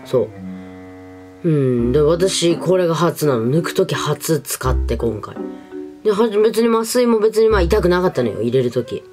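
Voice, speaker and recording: A woman's voice: low voice, expressive, moderate pace, warm tone. A young adult woman vlogging in a casual, chatty, informal way, talking to the camera in a small room. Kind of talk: casual chat to camera, product review. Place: small furnished room indoors. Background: background music.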